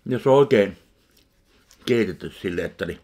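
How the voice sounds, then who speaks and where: A middle-aged man from Finland reviewing a salad in a casual food-tasting vlog at his kitchen, slow and deadpan between bites, recorded on a webcam. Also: lowish voice. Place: kitchen indoors.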